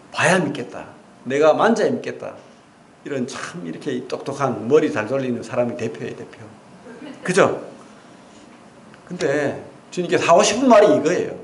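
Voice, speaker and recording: A middle-aged man preaching a sermon as pastor, animated, with sudden loud outbursts and quiet asides. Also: medium pitch. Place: church sanctuary. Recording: echoey church hall.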